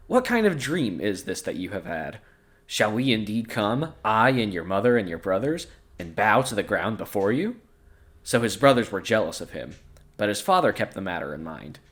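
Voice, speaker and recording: Lowish but fairly bright in tone, this man co-hosts a podcast where he reads scripture and interrupts himself with crude humor and frequent laughter.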